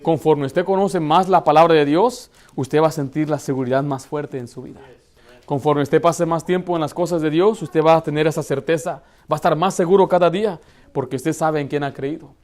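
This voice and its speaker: A man's voice: on the high side, a little fast, a little mellow. A male pastor preaching in church with a voice that sits a little above the usual male range. He talks to the congregation directly, emphatic and conversational. He keeps tossing rhetorical questions at them. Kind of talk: Baptist sermon.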